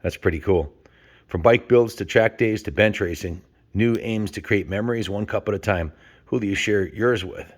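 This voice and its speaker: A man with a fairly low-pitched voice hosts a casual story time. He is folksy and enthusiastic, talking directly to his audience whether chatting or reading aloud. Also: moderate pace. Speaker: host of a story time show.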